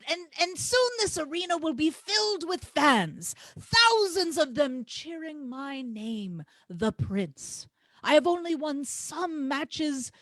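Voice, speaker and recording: Female actor as cocky male wrestler for staged promo reading: high voice, unhurried, taunting, grandiose. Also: a bit bright, dry recording, full character voice. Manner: taunting, crude, grandiose, drawn-out emphatic delivery. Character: brash, boastful male pro wrestler cutting trash-talk promos.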